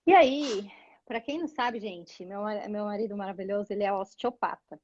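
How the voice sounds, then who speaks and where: A Brazilian woman, a guest on a live stream, telling stories in a casual, animated way and acting out the lines of the people in them. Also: medium pitch, normal speed, muffled recording, slight background noise. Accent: Brazilian Portuguese. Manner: animated storyteller, acts out dialogue.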